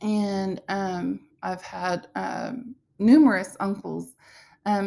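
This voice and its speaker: On a very clean recording with a silent background, a woman speaks with an Oklahoma accent. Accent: Oklahoma American English. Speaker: podcast host and Native storyteller. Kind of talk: solo podcast monologue. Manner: halting, many fillers.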